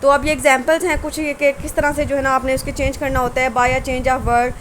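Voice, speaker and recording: A woman with a high voice teaches grammar, switching between Hindi-Urdu explanations and slow, careful readings of rules. She runs through long word lists one pair at a time. A faint hiss of noise sits behind her. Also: level tone. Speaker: English teacher. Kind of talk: grammar lesson.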